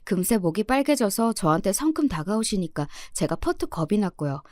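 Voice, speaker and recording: A woman narrating a true-life story in an expressive, lively reading. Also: mid-range voice, fairly quick, no echo, clean studio sound.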